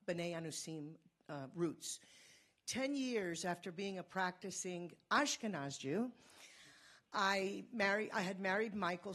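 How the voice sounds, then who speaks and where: A woman from Cuba giving a fast, earnest conference talk, telling a personal story. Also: on the low side. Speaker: conference speaker.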